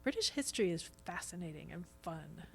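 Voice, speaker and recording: A woman's voice: lowish voice, very animated, fairly quick, vocal fry, husky, soft background music. A woman talking conversationally as a guest on a podcast. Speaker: podcast guest, stage actor. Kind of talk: casual conversational podcast chat.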